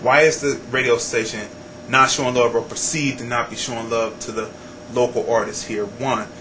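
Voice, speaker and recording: A man with an American accent and a mid-pitched voice conducts a casual interview. He lays out his questions directly and deliberately, point by point, with clear ambient noise behind him. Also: fairly even intonation. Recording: clearly noisy ambient recording.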